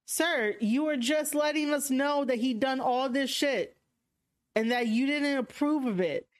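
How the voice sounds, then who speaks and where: A woman's voice: high voice, measured pace. A young woman with a New York accent, hosting a casual livestream podcast, speaking frankly and rambling with lots of fillers and restarts. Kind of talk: casual livestream chat reading viewer comments.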